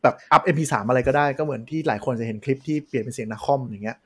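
A man co-hosting a casual tech podcast, talking in an animated, joking way with crude slang. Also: medium pitch, rapid-fire, husky. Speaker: podcast co-host.

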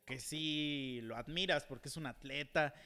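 A young Mexican man with a Mexican accent and a slightly high voice, chatting loosely on a podcast. He rambles through crude, profanity-laced stories with plenty of restarts, while faint guitar music plays in the background. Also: unhurried, pushed and bright, clear, resonant tone. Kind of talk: casual chat.

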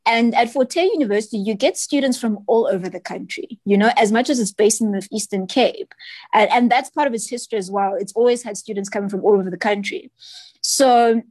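A chatty South African woman, a children's book author appearing as a guest, tells stories in a casual interview, often tossing in "you know" and "right." Her voice is fairly high, brisk and a little mellow, with a dry, echo-free sound.

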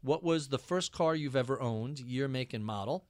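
A man's voice: mid-range voice, normal speed, no room sound, studio quality. A man in his fifties hosting chattily. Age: 50s. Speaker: podcast host. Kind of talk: interview conversation.

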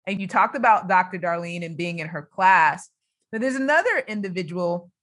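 A woman's voice: lowish voice, lively intonation, normal speed, fairly bright tone. A woman hosting a conversational faith-based interview, speaking in an affirming, encouraging and emphatic way. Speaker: interviewer, host.

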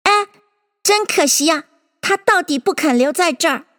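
A woman's voice: very high-pitched, takes it slowly, fairly bright tone, in a large hall, voice pushed up, exaggerated voice. A woman voicing a courteous parrot in a storybook reading, speaking politely. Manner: polite, sighing.

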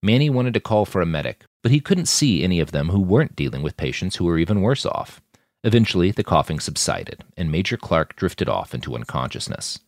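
A man narrating a story in scripted audiobook style, his voice low but moving widely in pitch. The sound is close and dry, with no room around it. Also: big pitch swings, a little fast, no room sound.

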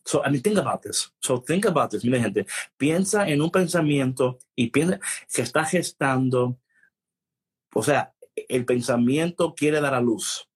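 A man co-hosting a casual Bible discussion, animated and full of restarts, mixing English phrases into his Spanish. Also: medium pitch, a little slow, slightly rough. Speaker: co-host of a Bible talk show.

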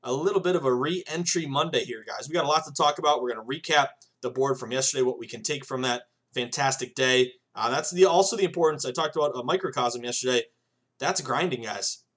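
A man's voice: mid-range voice, a little fast, a bit bright. A man in his thirties hosting a sports betting podcast, talking casually and rambling, with many fillers, and calling his listeners "guys". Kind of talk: casual solo podcast monologue.

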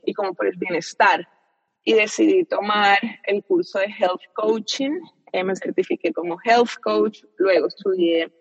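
A woman's voice: medium pitch, slightly rough, dry recording, long reverb tail, muffled recording. A woman from Colombia with a Caribbean coast accent, a guest in a casual interview, talking reflectively with many fillers and restarts.

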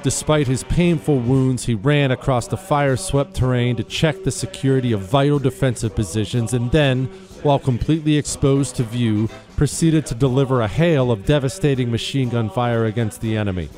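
On a talk radio show, a male host delivers a conversational monologue straight to his listeners, folksy and plain-spoken. His mid-range, slightly mellow voice moves at a normal pace over soft background music, picked up by a close studio mic.

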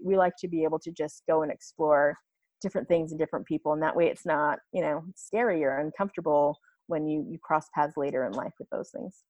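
A woman in her thirties, a podcast guest chatting casually, laughing often and quick to get animated. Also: low voice, no room sound, dull audio. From United States. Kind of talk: casual interview chat.

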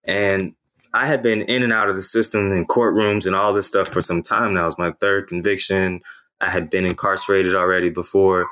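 A man in his thirties, a native Haitian Creole speaker, talks through his own past as an interview guest. His voice sits very low and deep. He speaks earnestly and reflectively, often pausing on "you know" as he gathers his thoughts. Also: fairly bright tone. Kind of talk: personal storytelling in an interview.

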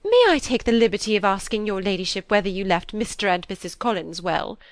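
A woman's voice: medium pitch, lively intonation, fairly quick, no room sound, close to an everyday voice. A woman voicing an eager-to-please middle-aged mother who talks in a gushing, effusive way. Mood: eager, flattering.

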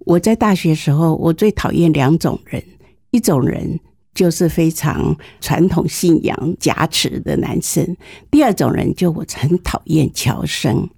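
A woman's voice: low voice, a little slow, creaky, warm tone, husky, no echo, clean studio sound. A woman in her sixties from southern Taiwan, with a southern Taiwanese Mandarin accent, tells personal stories conversationally as an interview guest, in a candid, humorous, self-deprecating way. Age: 60s.

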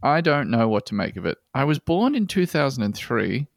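A man co-hosting a comedy podcast, reading out listener posts and adding deadpan jokes. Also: mid-range voice, normal speed, creaky, dry recording, studio quality. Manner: jokey, deadpan asides, frequent laughs. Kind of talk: casual comedic podcast chat.

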